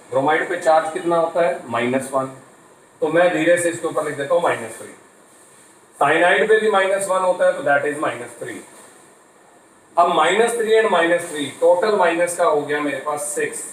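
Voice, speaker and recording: A man's voice: on the high side, distant mic, slight background noise. Man teaching chemistry in an echoey room. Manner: explanatory, asks and answers his own questions. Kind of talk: classroom lecture mixing Hindi and English.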